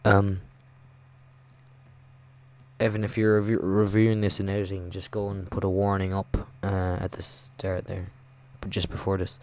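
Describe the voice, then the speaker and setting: A man's voice: deep voice, monotone, measured pace, darkish tone. A man hosting a gaming video, reading visual novel narration aloud and reacting casually. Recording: music behind the voice.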